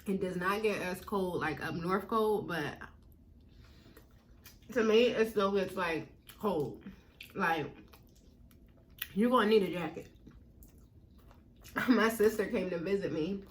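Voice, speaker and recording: A woman from the northern United States with an American accent, chatting casually to viewers as a mukbang host, chewing while talking and pausing to eat. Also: medium pitch, a little hiss or hum.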